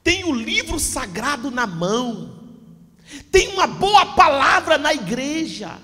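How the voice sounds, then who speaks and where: A pastor in his forties preaching a fervent Pentecostal sermon into a handheld mic, often shouting. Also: very high-pitched, very animated, takes it slowly. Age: 40s. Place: church hall with a stage backdrop. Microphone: handheld microphone. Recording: long hall reverb.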